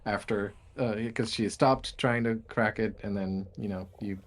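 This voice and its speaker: A man acting as game master, narrating a tabletop game in a relaxed way and thinking aloud as he checks dice rolls over an online call. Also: fairly low pitch, unhurried.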